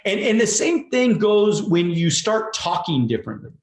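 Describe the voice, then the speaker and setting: In a motivational conversation, a guest coach in his forties talks emphatically and casually, repeating words and swearing freely at a normal pace. His high voice moves up and down in a lively way, and the room adds a roomy echo.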